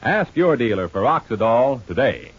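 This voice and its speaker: A man's voice: big pitch swings, moderate pace. A man announcing and selling soap in the emphatic style of an old-time radio show, heard through an old muffled radio transcription. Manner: emphatic sales pitch.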